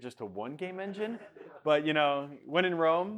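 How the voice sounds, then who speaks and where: A man with a New York accent. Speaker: game developer. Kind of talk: conference talk. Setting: stage with audience.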